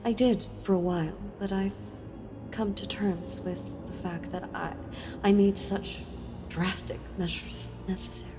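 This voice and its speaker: A woman playing a sealed-away female villain in an audio role-play, speaking to the listener tenderly, intimately and with hesitant pauses. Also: mid-range voice, fairly even intonation, lightly acted. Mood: tender, earnest. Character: sealed-away female villain, wistful, softly seductive and enthralled. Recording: long reverb with music behind. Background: music.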